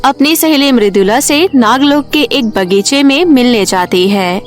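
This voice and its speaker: A woman's voice: fairly high pitch, measured pace, soft background music. A woman narrating a scripted children's story in a storytelling style.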